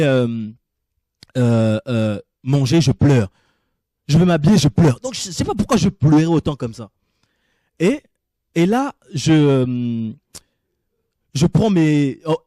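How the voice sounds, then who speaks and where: Halting man, warm mellow voice. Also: a little high, no echo, clean studio sound. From Gabon. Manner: emotional, halting, restarts and repeats phrases. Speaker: testimony giver. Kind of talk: personal faith testimony.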